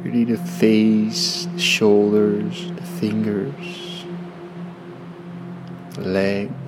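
A man's voice: lowish voice, flat delivery, extremely slow, low-quality recording. A man leading a guided meditation, giving soothing, instructive directions in short, spaced-out phrases. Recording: background music under voice. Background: music.

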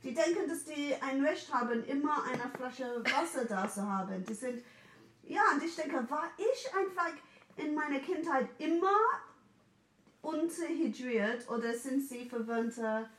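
A woman in her forties from England with an English accent, chatting in German as a second language in an animated way and mixing in English words. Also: sits high, measured pace, distant mic. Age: 40s. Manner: animated, mixes in English words, acts out quoted voices. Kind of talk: casual chat. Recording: echoey room, a bit off mic.

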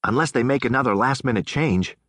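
A man's voice: mid-range voice, fairly quick, a bit bright, dry recording, clean studio sound, close to an everyday voice. A man voicing an earnest twelve-year-old boy who is a statistics whiz.

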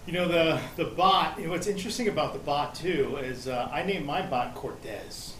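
A man's voice: a little high, normal speed. A man hosting a panel, chatting with rambling asides and many fillers. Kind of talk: casual panel talk. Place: studio room. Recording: roomy, distant and noisy.

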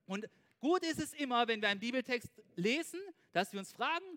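A male preacher with a high, bright voice that swoops up and down as he talks. He preaches in a casual, animated way, turning to his listeners again and again with a quick question. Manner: animated, asks listeners "ja?" constantly. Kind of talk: informal sermon.

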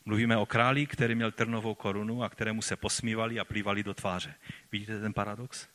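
Bright-voiced preacher dropping to hushed emphasis. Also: male voice, lowish voice, little pitch movement. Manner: dramatic preaching that drops to quiet, slow emphasis; reads scripture aloud. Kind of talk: sermon.

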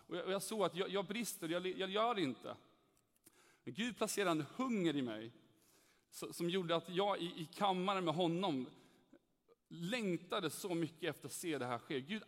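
A young man giving an earnest personal faith testimony, telling his story animatedly and acting out the dialogue. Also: high-pitched. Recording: echoey hall reverb.

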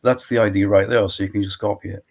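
A man walking through his software tool in a live screen-share demo, thinking aloud step by step. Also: on the low side, fairly even intonation, fast. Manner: walks through steps aloud, thinking as he goes.

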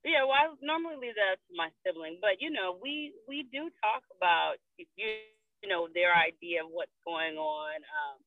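A woman's voice: medium pitch, sing-song, normal speed, no room sound. A woman chatting casually on a phone call while she drives, talking loosely with lots of "like" and "you know.". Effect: phone speakerphone while driving a car. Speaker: guest on a group call. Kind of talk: casual chat. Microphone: phone speakerphone in a car. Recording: tinny phone line from a moving car.

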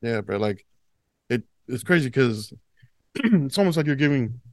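A man's voice: medium pitch, lively intonation, unhurried, a little mellow, dry recording. Man, podcast chat, mid voice, dry close sound, slangy and emphatic.

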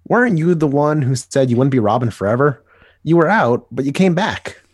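A man's voice: medium pitch, animated, fairly quick, slightly rough, no echo. A man voicing a wry young adult male hero in a dramatic comic reading, with teasing, dry banter.

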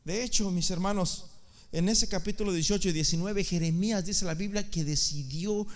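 A man preaching a sermon in an impassioned way, repeating words and building up to shouts. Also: sits high, normal speed.

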